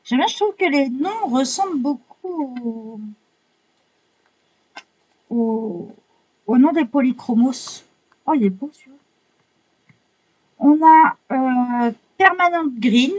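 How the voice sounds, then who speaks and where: A woman with a slightly husky, somewhat high voice chats through an unboxing. She is excitable, swears casually and keeps apologizing as she goes. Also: takes it slowly, long pauses, highs cut off. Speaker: vlogger unboxing art supplies.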